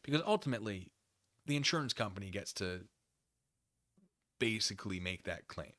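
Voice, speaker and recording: A man hosting a live stream, reading documents aloud and commenting casually with conversational, animated asides. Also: fairly low pitch, normal speed. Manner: conversational, animated asides, acts out imagined dialogue.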